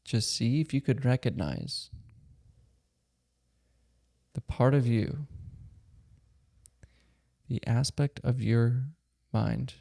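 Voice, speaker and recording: Male meditation guide: soft-edged, relaxed tone with some vocal fry, calm and gentle, leaving generous space between phrases. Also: medium pitch. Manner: calm, gentle, unhurried instruction with long pauses. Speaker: meditation teacher.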